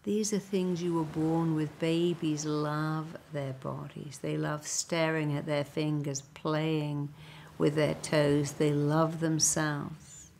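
A woman with an English accent leading a guided meditation, speaking slowly and soothingly, sometimes dropping into a breathy near-whisper. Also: sits low, little pitch movement, a little mellow, slight background noise. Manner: slow, soothing, breathy at times. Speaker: hypnotherapist guiding a meditation.

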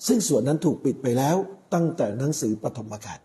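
A middle-aged man, a Catholic priest, preaching a sermon in a measured way with frequent pauses. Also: mid-range voice, expressive, mellow.

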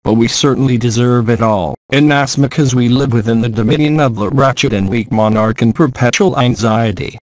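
A grieving, resigned old Brahmana father, as a man reads him in a storybook reading. His solemn speech comes at a plain middle pitch with a dry, close sound. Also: dry recording, close to an everyday voice, rough recording. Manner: solemn measured archaic speech. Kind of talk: audiobook reading.

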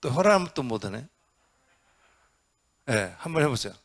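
A middle-aged monk gives a dharma talk in a Buddhist hall, his voice sitting in an ordinary middle register for a man. He keeps quizzing and coaxing his listeners. Now and then he barks out a shout to show how it is done. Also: medium pitch, measured pace. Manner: lively, quizzes and coaxes the audience, acts out shouts. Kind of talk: interactive sermon.

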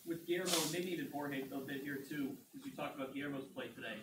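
A man's voice: mid-range voice, quick pace, noisy background. Off-mic male reporter asking questions. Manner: hesitant questions with restarts and fillers. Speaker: sports reporter. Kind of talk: press conference questions.

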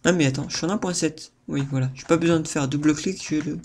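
A man commentating his own gameplay as a video host, excitable and theatrical, repeating words and breaking into sudden high-pitched outbursts while talking to his viewers. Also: fast, a little hiss or hum. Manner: playful theatrical exclaiming, addresses viewers. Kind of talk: let's-play gameplay commentary.

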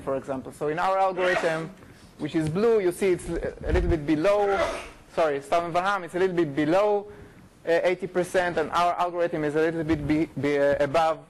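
A middle-aged man with an Israeli accent speaks in a notably high register for a male voice. He lectures informally, restarting phrases and correcting himself as he explains. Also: steady tone, noisy background. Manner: informal, halting, frequent repetitions and self-corrections. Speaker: researcher giving a lecture. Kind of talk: academic talk with slides. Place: lecture room, indoors.

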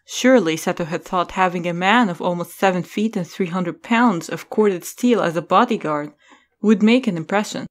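A woman narrator reading scripted story narration for an audio drama. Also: on the low side.

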